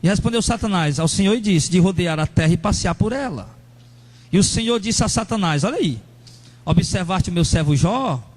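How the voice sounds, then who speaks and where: A high-pitched male pastor preaching to his congregation in a lively, animated way. He speaks straight to members of the church and acts out the angry believers he describes with a raised, shouting voice. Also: a little fast. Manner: addresses congregation members directly. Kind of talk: sermon.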